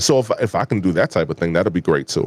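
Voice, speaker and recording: A man with an American accent. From Washington DC / Prince George's County, Maryland. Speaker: gaming content creator. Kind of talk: casual podcast interview.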